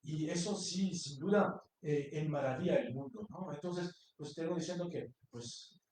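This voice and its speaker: A man with a somewhat high voice speaks at a panel, hesitant and full of filler sounds. His voice rings through a large, very echoey hall. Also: normal speed, a little mellow. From Mexico. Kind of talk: public talk. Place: university lecture hall.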